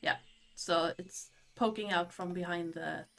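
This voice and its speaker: Slow, hesitant woman game master. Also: fairly low pitch, fairly even intonation, gravelly, a bit bright. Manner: hesitant, with many fillers and small laughs. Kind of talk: narrating a tabletop game.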